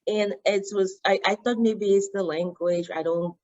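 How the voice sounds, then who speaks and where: A woman from Cameroon with a Cameroonian accent, her first language Yemba, telling her story as an interview guest in an animated way with frequent restarts. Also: medium pitch, normal speed. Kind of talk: interview conversation. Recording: dull lo-fi sound.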